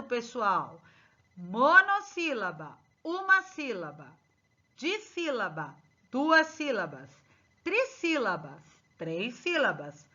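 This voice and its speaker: A bright-voiced woman teacher works through exercise answers with her pupils, dwelling on each word. Her high voice swoops up and down as she stresses every answer, and the recording is dull and lo-fi. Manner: slow, emphatic, spelling out answers to pupils. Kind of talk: exercise correction lesson.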